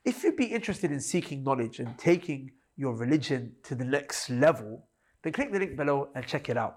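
A man giving an upbeat, persuasive promotional announcement for an online college. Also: medium pitch.

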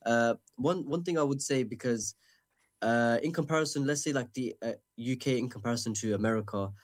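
A man's voice: medium pitch, brisk. A man interviewing an author, asking a long question with many fillers and hesitations.

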